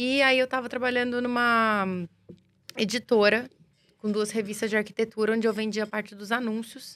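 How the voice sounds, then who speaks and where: A woman at a moderate pace, fairly high in pitch, with monotone, flat intonation. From Brazil, Mato Grosso do Sul (Campo Grande). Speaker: finance professional and women's networking leader. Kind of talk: casual interview.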